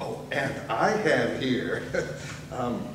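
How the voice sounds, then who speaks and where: A man's voice comes through light background noise with audible room echo. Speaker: presenter. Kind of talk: speech to an assembly. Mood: flustered, searching for an item. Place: hall. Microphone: camera far.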